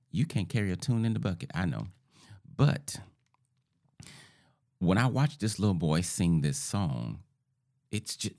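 Deep gravelly man with morning voice. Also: darkish tone. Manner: rambling and informal, addresses listeners as family. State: groggy morning voice. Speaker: podcast host. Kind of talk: casual morning monologue.

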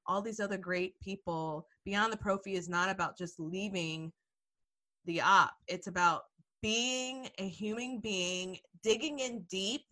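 Bright-voiced enthusiastic woman podcast host. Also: medium pitch, a little slow, low-quality recording. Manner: enthusiastic, gets excited and laughs. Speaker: podcast host and hygienist coach. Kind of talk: casual podcast interview chat.

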